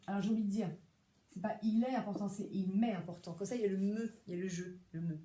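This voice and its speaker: A woman's voice: mid-range voice, steady tone, fast, dark tone. A middle-aged woman therapist talking casually about needs and emotions, chatty and rambling with many fillers and restarts. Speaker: psychotherapist. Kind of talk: casual monologue.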